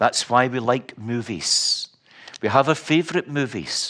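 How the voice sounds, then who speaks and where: Medium in pitch, a man with a Scottish accent speaks fairly slowly with ordinary pitch variation. The recording is very clean with a silent background. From Scotland. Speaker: preacher. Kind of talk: sermon. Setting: church.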